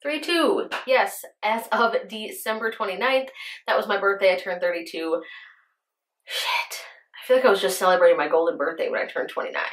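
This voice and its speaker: A woman's voice: mid-range voice, fairly quick. A woman in her early thirties, a beauty vlogger chatting casually and gushing to her viewers, full of fillers. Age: 30s. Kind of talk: casual chat.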